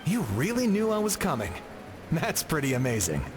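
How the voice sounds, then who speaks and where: An actor voicing an easygoing, friendly uncle in a video game, talking in a casual way. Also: male voice, a little high, huge pitch swings, moderate pace. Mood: jovial. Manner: jovial, casual. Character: chatty, easygoing uncle, friendly adult villager. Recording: noisy ambience behind the voice.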